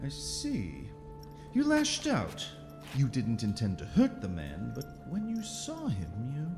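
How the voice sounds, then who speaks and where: A man's voice: mid-range voice, wildly swooping pitch, slow, music in the background, heavily acted. A man playing a stern, condescending magical authority in an audio drama, formal, theatrical and grave. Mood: knowing, amused.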